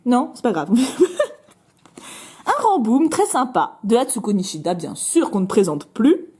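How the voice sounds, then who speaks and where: A bubbly French woman chats away as she opens card packs, her fairly high voice swooping up and down. She jokes at her own expense and throws in quick asides. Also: very animated, dark tone, husky. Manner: chatty, bubbly, self-mocking, quick asides. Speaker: card-opening video host. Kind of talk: casual chat while opening cards.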